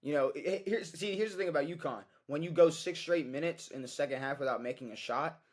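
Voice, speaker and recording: A man co-hosting a sports podcast, often stumbling and repeating himself before getting animated. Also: a little high, brisk. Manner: hesitant, restarts and repeats, gets excited. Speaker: podcast co-host. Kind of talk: casual sports chat.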